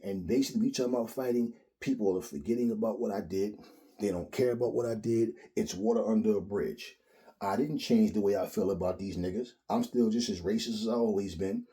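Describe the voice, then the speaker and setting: A man with a lowish, mellow voice, ranting on his own about boxing. He talks bluntly and profanely, with lots of animated emphasis. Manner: blunt, profane, animated, mimics others in quotes. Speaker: boxing commentary host. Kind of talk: opinionated solo rant.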